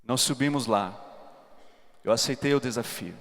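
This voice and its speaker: A man's voice: medium pitch, normal speed, a bit bright. Earnest male preacher in a reverberant hall. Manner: earnest, emphatic preaching to a congregation. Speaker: preacher giving a testimony. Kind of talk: sermon testimony at a church congress. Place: large church hall.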